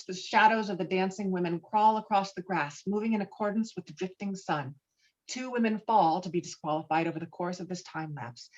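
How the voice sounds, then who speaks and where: A woman's voice: lowish voice, muffled recording. A woman reading stage directions as scripted narration for a virtual table read, recorded over an online call. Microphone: online call microphone.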